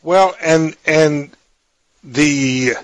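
A man's voice: a little high, extremely slow, no room sound. A man hosting a podcast conversation, thinking aloud and often repeating words as he halts. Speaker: podcast host.

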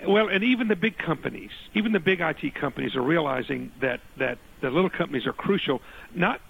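Gravelly, hoarse male radio host. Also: on the high side, animated, fast, narrow, tinny audio, slight background noise. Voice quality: gravelly, rough voice. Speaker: radio talk show host. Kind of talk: radio interview.

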